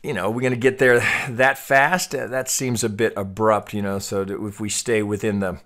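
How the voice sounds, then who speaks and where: A man giving an off-the-cuff trading chart tutorial, thinking aloud in a halting way and often repeating his words. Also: on the low side, little pitch movement, fairly bright tone. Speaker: trading analyst and host.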